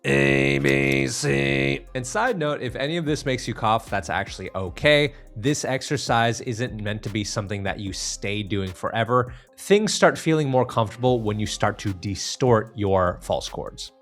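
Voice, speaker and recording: A vocal coach with a lowish, animated voice speaks at normal speed with few pauses, soft music playing behind him. He talks directly to the viewer in a tutorial, demonstrating exercises step by step.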